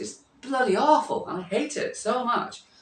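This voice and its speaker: A man with a Mancunian accent against noticeable background noise. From Manchester, England. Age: 60s. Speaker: vlogger, football fan. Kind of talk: casual monologue to camera. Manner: rambling, full of fillers.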